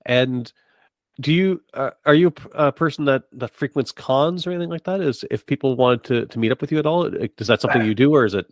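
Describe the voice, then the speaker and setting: A man's voice: mid-range voice, quick pace, no room sound, clean studio sound. A man hosting a podcast, interviewing in a casual, conversational way. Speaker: podcast host.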